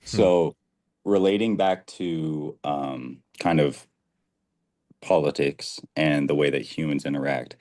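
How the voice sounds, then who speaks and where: A man in his twenties calls in to a talk show. His voice is extremely deep. He speaks earnestly but rambles, sometimes losing his thread and starting over. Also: fairly even intonation, slow pace, a little mellow. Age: 20s. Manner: earnest, rambling, loses his train of thought. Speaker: caller. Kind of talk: casual call-in conversation.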